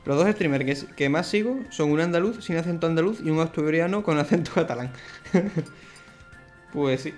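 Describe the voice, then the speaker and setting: Excitable young gaming commentator. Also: male voice, on the high side, normal speed. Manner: chatty, excitable, laughs often. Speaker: gaming YouTuber. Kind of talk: let's play commentary. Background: faint game music.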